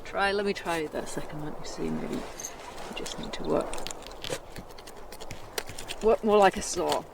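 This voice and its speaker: A man who teaches wilderness skills, speaking slowly and reflectively in a documentary interview and while teaching. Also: high voice, vocal fry, noisy background.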